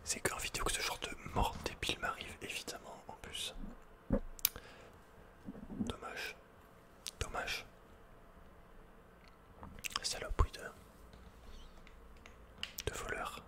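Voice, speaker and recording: A man's voice: takes it slowly, pauses often. Whispering man, ASMR game commentary. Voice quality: soft, breathy, unvoiced whisper. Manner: casual, murmured running reactions with slangy asides. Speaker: ASMR gaming video host.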